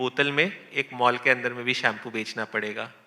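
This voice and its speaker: A man with an Indian accent, medium pitch and a fairly slow pace. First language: Hindi. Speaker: insurtech executive, panelist. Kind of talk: panel discussion.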